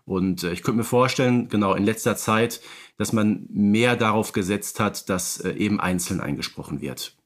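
A man's voice: on the low side, normal speed. Man, analytical podcast co-host. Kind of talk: conversational podcast discussion.

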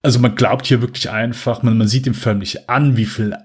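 A man's voice: mid-range voice, fairly even intonation, a little fast, darkish tone, husky. A man co-hosting a podcast, chatting casually in a rambling, hesitant way with many fillers. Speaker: podcast co-host. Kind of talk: casual chat.

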